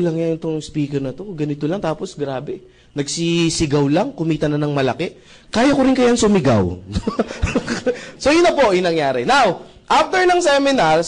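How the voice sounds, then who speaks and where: A young man from the Philippines giving an animated testimonial at a seminar, acting out conversations and often asking the audience to agree. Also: fairly high pitch. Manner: acts out dialogue with shifting voices, asks audience often. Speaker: seminar speaker.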